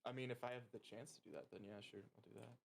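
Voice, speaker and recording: Loud man chatting over a game, mid-pitched. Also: fairly even intonation, rapid-fire, vocal fry. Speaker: player in an online tabletop game. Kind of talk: casual gaming chat.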